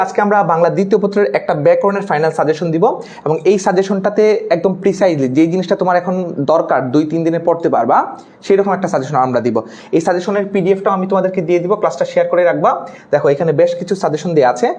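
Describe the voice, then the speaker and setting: A man's voice: high-pitched, fast talker, a little mellow. A young male teacher with a Bangladeshi Bengali accent giving an exam-prep lecture, chatty, dropping English words and often asking "okay?" to check in. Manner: mixes English words into his talk.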